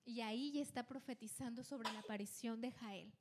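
A woman co-hosting a podcast, retelling a Bible story in casual chat with lively delivery and frequent restarts. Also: a little high, brisk, noisy background. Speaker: podcast co-host.

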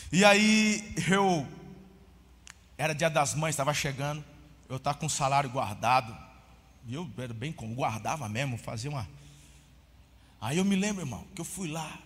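A Brazilian man preaching a sermon as pastor, telling a story with lively swings and shouting at the peaks, often calling listeners brother. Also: on the high side, long reverb tail.

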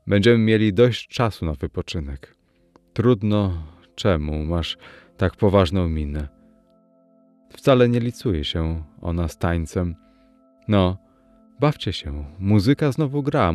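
Jovial old village headman, hearty, encouraging, deep voice, read by a man. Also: animated, a little slow, darkish tone, no room sound, soft background music.

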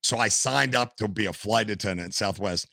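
An older American man, a retired firefighter, telling animated stories as a podcast guest over a video call. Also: on the low side, a little fast, vocal fry, no echo. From United States. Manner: animated anecdotal storyteller. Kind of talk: casual storytelling interview. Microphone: headset.

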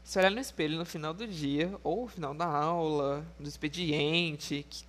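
A young man vlogging in casual, frank storytelling to his viewers, playful and quick to laugh. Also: on the high side, fairly bright tone.

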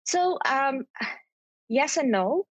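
A woman's voice: high voice, animated, very slow, dry recording. A woman in her thirties from Pakistan, a triathlete guest in a casual interview, speaking earnestly and reflectively and often searching for words.

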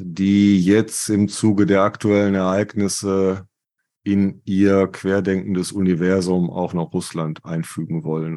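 A man co-hosting a podcast discussion, talking in a measured way with frequent fillers. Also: sits low, a little mellow. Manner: slow, measured, with many fillers. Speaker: podcast co-host.

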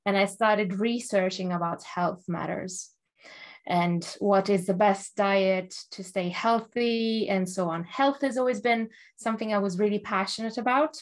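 A woman from Germany speaking English as a second language, telling her story in an interview. She speaks slowly and thoughtfully and laughs easily. Her pitch sits in an ordinary middle range. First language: not English. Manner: measured, thoughtful, laughs often. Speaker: guest, love and relationships coach.

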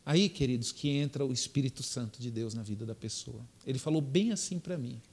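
A man's voice: medium pitch, brisk, a little mellow, husky. An older man, a pastor telling a testimony story in a sermon, often turning to the congregation and repeating himself as he goes.

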